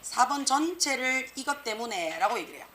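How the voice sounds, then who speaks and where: A woman English teacher giving an exam prep lecture, lively and slangy, peppering students with rhetorical questions. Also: high voice, a little fast. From South Korea.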